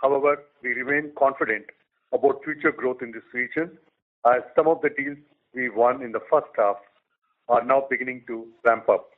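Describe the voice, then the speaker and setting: A man in the role of chief executive, giving a prepared quarterly business update in measured short phrases. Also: medium pitch. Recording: tinny phone line.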